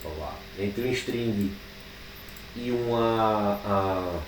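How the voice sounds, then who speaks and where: Brazilian guy teaching code, talks slow and thinks out loud, a bit off mic, faint hiss. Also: fairly low pitch, distant mic. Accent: Brazilian Portuguese. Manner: slow, thinking aloud while typing code, drawn-out fillers. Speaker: programming teacher. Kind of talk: live coding class. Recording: echoey room, speaker away from the mic, faint background noise.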